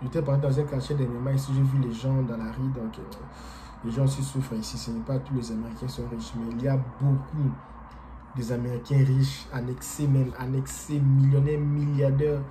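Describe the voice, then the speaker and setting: A man's voice: medium pitch, flat delivery, a little fast, background noise. A man from DR Congo whose first language is not French, giving a casual explanatory vlog monologue and talking hesitantly, with many fillers and repeated words. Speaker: vlogger.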